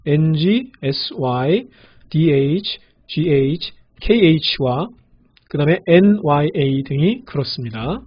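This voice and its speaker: Male language teacher, breathy voice, steady lecture pace, repeats example words carefully, muffled recording. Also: a little high, extremely slow. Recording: dull lo-fi audio.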